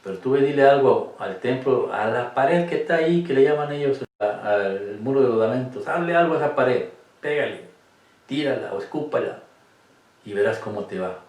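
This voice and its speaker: A man's voice: mid-range voice, lively intonation, normal speed, darkish tone. A man leading a Catholic Bible study, speaking emphatically and posing rhetorical questions to his listeners. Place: room with cameras. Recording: echoey room, distant mic.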